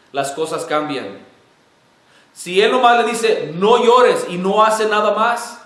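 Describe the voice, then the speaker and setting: A man preaching a sermon as pastor, earnest and emotional, building to forceful emphasis. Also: sits high, echoey room. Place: church sanctuary.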